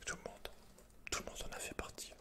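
A young man playing a guarded computer repairman and hacker in a halting, breathy whispered ASMR roleplay. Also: natural voice. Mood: guarded, brooding. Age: young adult. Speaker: ASMR creator. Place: small indoor set, dark backdrop.

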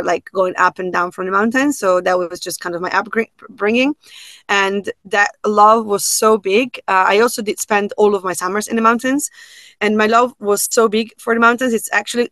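Italian woman, thirties, chatty guest on a video call, dead-dry close sound, middle pitch. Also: fairly even intonation, moderate pace, fairly bright tone, dry recording. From Italy. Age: 30s. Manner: chatty, many fillers and restarts. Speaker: podcast guest. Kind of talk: casual chat. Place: home room.

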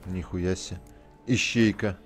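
Low-pitched man, crude gaming commentary. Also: steady tone, a little slow, soft background music. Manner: crude, heavy swearing, mocking. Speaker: gamer commenting on playthrough. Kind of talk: casual game commentary.

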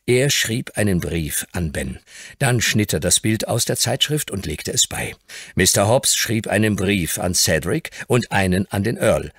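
A man reading an audiobook as narrator, telling the story in an expressive, scripted manner. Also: lowish voice, measured pace, no echo, studio quality.

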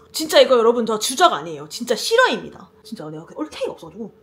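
A young woman telling a story in a casual vlog while doing her makeup, lively and acting out quoted lines. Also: a little high, fast talker. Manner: animated, acts out quoted lines. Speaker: beauty vlogger.

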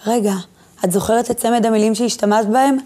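In a motivational lecture on self-image, a woman addresses the viewer directly and gently guides her through breathing exercises. Her voice sits a little high, with fairly even intonation.

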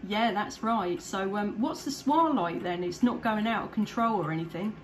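A woman from England talks over a desk radio microphone at her home station, friendly and quick to laugh, with lots of ums. Her voice sits at a middle pitch, and a faint hiss runs underneath. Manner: friendly, laughs often, many fillers. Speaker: CB radio operator. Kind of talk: casual radio chat.

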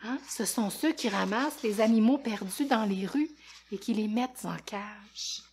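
A woman, a teacher, reading a rhyming picture book aloud to children with a lively, rhythmic delivery and questions for her listeners. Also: mid-range voice, unhurried, a little hiss or hum. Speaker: teacher and storyteller.

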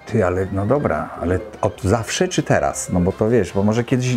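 A man's voice: lowish voice, expressive, normal speed, music in the background. A man in his fifties giving casual, exclamatory, colloquial commentary as a host reacting to clips. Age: 50s. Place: small indoor home studio.

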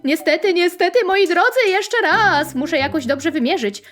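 A woman's voice: very high-pitched, animated, moderate pace, fairly bright tone. A young woman hosting a playful gaming let's-play, bubbly and sing-song, rhyming and squealing at mishaps, with game music underneath. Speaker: gaming channel host.

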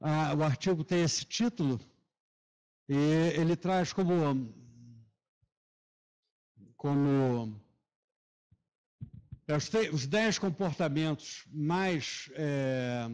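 Male academic lecturer, Rio Carioca accent, slightly high-pitched, s pronounced as hushing sh, semi-formal classroom delivery. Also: very slow, pauses often, clear, resonant tone. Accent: Carioca (Rio de Janeiro) Brazilian Portuguese. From Rio de Janeiro, Brazil. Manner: hushing sh sound for s. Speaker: lecturer, professor. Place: lecture auditorium.

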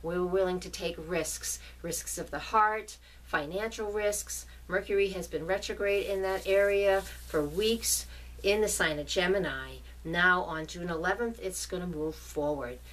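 A woman's voice: on the low side, moderate pace, fairly bright tone. A middle-aged woman with a New England accent, an astrologer giving a casual forecast and often checking in with her listeners. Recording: voice a bit distant from mic.

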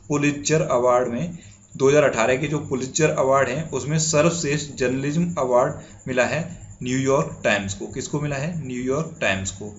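A man's voice: medium pitch, lo-fi sound, a little hiss or hum. A man from India teaching current affairs for exams, reading out quiz questions and repeating each answer as he asks and answers himself. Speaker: current affairs exam tutor. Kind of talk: spoken quiz lesson.

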